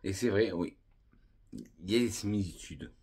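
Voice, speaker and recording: A man from France reviewing perfumes in a casual vlog, calmly and unhurriedly listing scent notes one by one. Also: low-pitched, normal speed, breathy edge.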